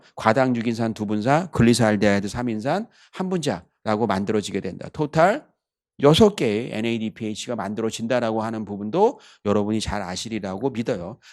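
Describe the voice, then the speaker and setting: A man talks at a fairly quick pace and medium pitch. His pitch variation is ordinary. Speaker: exam prep lecturer. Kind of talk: lecture. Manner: fast.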